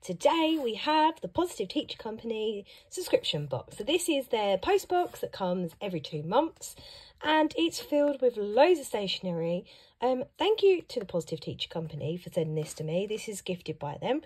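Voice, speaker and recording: A woman who teaches young children, chatting upbeat through an unboxing vlog while hoarse and losing her voice. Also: mid-range voice, very animated, normal speed, a little mellow. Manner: chatty and upbeat, reacting to each item. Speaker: primary school teacher and vlogger. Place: at home.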